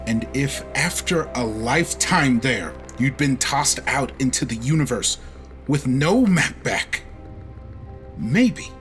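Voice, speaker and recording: A sci-fi audio drama spaceship captain, homesick and fiery. His delivery is measured and slow, with big melodic swings from hushed longing to outburst. Music plays clearly behind him. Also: medium pitch, expressive. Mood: earnest, wistful.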